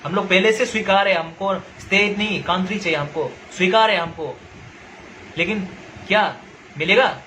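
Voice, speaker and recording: A man's voice: high voice, normal speed, pushed and bright, a little hiss or hum, low-quality recording. A young man from Nagaland, ranting angrily and directly at someone, lecturing and repeating his points. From Nagaland, India. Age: young adult. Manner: confrontational, lecturing, repeats himself. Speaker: social media commentator. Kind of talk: angry direct-to-camera rant.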